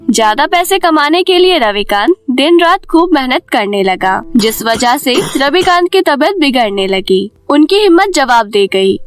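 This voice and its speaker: High-voiced woman storyteller. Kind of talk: scripted children's story narration.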